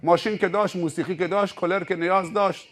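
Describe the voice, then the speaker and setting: High-voiced man preaching emphatically. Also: steady tone, a bit bright. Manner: emphatic, vivid, acts out scenes. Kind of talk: sermon with dramatized storytelling.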